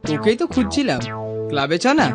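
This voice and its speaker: An actor playing an excitable, friendly boy in a children's cartoon. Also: medium pitch, fast, over loud music, natural voice. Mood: eager. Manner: eager, exclaiming.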